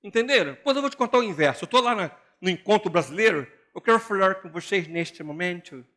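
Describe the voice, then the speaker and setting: Speaking quickly in a voice that sits high, an older Brazilian Portuguese-accented pastor preaches with humor and energy, mimicking how others talk.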